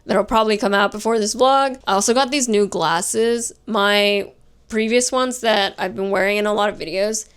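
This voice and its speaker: Soft-spoken woman with a tired voice. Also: mid-range voice, moderate pace, clear, resonant tone. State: tired, fading voice. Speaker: vlogger. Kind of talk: casual vlog talk.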